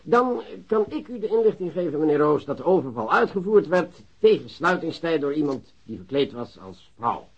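A sly police commissioner in a radio drama. His voice is fairly high and husky, swinging widely in pitch as he feigns politeness. The recording is slightly dull. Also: very animated, full character voice. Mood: probing. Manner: unhurried, hesitant, falsely polite. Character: sly, mock-courteous police commissioner interrogating a suspect. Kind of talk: Dutch radio play acting.

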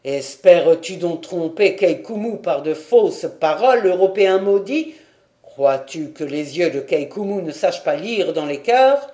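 Woman doing a stern tribal chief, cold, forceful, slow deliberate delivery, dark low tone. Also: animated. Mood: cold menacing. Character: stern proud male Maori chief, menacing.

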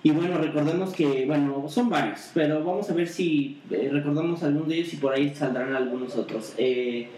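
A man's voice: fairly high pitch, a little fast, hardly any pauses, darkish tone, echoey room, distant mic, a little hiss or hum, low-quality recording. A man with a Mexican Spanish accent chatting about politics on a podcast, rambling, full of hesitations and restarts. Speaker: podcast co-host. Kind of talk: casual political chat.

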